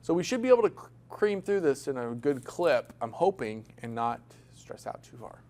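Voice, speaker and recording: A man's voice: medium pitch, big pitch swings, moderate pace, darkish tone. Chatty man teaching an accounting class. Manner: chatty, jokey, asks the class questions. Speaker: accounting instructor. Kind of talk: classroom lecture.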